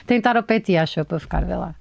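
A woman with a European Portuguese accent co-hosting a podcast, bantering loudly, teasing and swearing often. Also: lowish voice, very fast, creaky. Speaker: podcast co-host. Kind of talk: casual banter.

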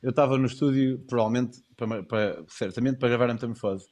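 A man with a European Portuguese accent in casual conversation. He talks very fast in a medium-pitched voice. His delivery is colloquial and anecdotal, peppered with slang. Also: darkish tone.

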